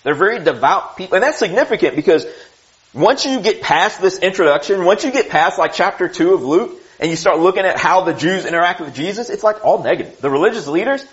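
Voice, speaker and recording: A man teaches through scripture in a sermon, moving between reading verses and chatty asides. His pitch swings widely as he talks, sitting a little high for a man. The recording sounds dull and lo-fi. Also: brisk. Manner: conversational, animated, with asides and restarts. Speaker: preacher.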